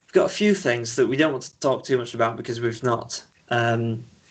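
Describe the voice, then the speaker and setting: A man speaks in a Leeds accent with ordinary pitch variation. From northern England, Leeds suburb. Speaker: student society president. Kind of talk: interview.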